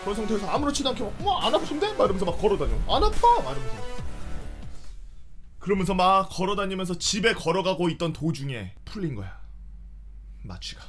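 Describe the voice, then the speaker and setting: A young man telling a funny story in a casual, animated way, often shouting and wailing as he acts out the scenes. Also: high voice, fast talker, pauses often, faint music behind. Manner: animated, shouts and wails while acting out scenes.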